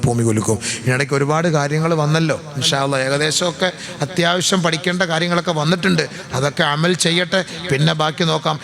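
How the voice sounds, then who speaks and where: A man preaching an Islamic sermon in to a gathering, swinging from loud, slow, chanted passages to calm, chatty asides. He questions the audience and jokes with them. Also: on the high side.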